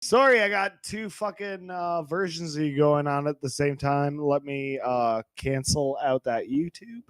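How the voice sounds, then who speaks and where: A brash, crude man calls into a casual chat with a slightly high voice. He answers in a deadpan, mock-serious way. The sound is dry. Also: a little slow, few pauses, clean tone, no room sound. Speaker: guest caller.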